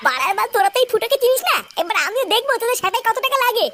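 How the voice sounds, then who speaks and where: A woman's voice: very high voice, expressive, racing, a bit bright. A woman voicing a cheeky, boastful, foul-mouthed young village lad in a comedy cartoon. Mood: indignant boasting. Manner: brash, slangy, swearing.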